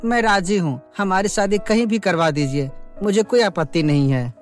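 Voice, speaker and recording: A man voicing a caring, calm young husband with gentle, concerned delivery in a cartoon story. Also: high-pitched, normal speed, soft background music, lightly acted. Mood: agreeable.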